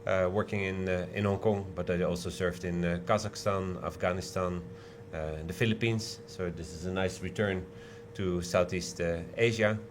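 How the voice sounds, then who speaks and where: Male interview guest, Dutch accent, deep bass register, hesitant explanatory delivery, faintly noisy room. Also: fairly even intonation. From Netherlands. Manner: halting, frequent drawn-out hesitations.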